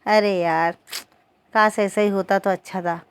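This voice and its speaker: A woman's voice: mid-range voice, steady tone, measured pace, smooth, natural voice. A woman doing a carefree young joker. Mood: playful. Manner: teasing, playful retorts. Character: young man, carefree, jobless and joking.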